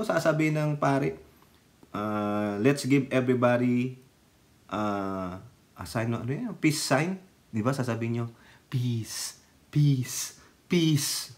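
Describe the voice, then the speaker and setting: A man's voice: fairly high pitch, a bit bright. A man from the Philippines ranting in casual political commentary, sarcastic and mocking, often laughing and mixing in English phrases. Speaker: political vlogger.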